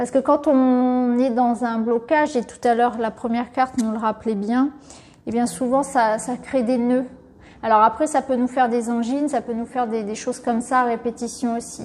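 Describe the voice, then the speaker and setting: A woman's high-pitched voice at a moderate pace, flat and monotone in intonation. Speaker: tarot card reader. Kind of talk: tarot reading talk to camera. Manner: rambling, hesitant.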